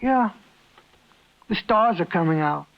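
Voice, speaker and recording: A timid, bashful ship passenger. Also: male voice, high voice, lively intonation, slow pace, vocal fry, full character voice. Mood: nervous. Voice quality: soft, hesitant, timid. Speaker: lead actor. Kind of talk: 1950s radio drama acting. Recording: muffled old 1950s radio broadcast.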